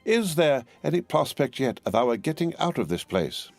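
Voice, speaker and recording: A man voicing a fussy, fiercely loyal middle-aged woman servant who talks brisk and emphatic. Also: mid-range voice, sing-song, dry recording, soft background music, pitched above the performer's own voice.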